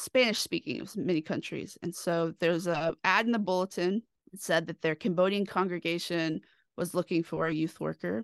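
A woman with an American accent speaks at a fairly low pitch in an ordinary speaking voice, with ordinary pitch variation against a quiet background. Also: dry, close sound with no echo. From Texas, Dallas. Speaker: DEI educator and preacher. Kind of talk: casual chat.

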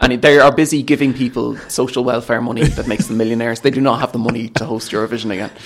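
Over noticeable background noise, a man with an Irish accent and medium pitch talks very fast, with hardly any pauses and fairly even intonation. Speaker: Eurovision commentator. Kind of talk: casual interview.

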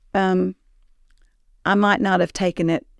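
Speaking at a fairly slow pace with a Tennessee accent, a woman with a medium-pitched voice is heard in a dry, close recording free of echo. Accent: US Southern (Tennessee). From Tennessee, Tullahoma. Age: 70s. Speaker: church member, house cleaner and caregiver. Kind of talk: personal faith testimony.

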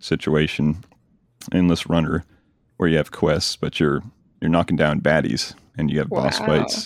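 With very even loudness and long, frequent pauses, a man speaks at a moderate pace in a very deep, low pitch. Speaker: podcast co-host, father of the other hosts. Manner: enthusiastic, conversational.

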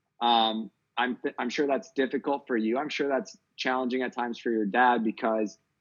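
A man talks at a fairly quick pace in a medium pitch, his intonation monotone and flat. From Minnesota. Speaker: podcast host. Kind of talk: casual interview. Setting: video call.

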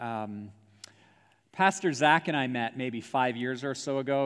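With a quiet background, a man speaks at a medium pitch and moderate pace in a normal speaking voice. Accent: Canadian. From Canada. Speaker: theology professor, guest preacher. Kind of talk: sermon. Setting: church.

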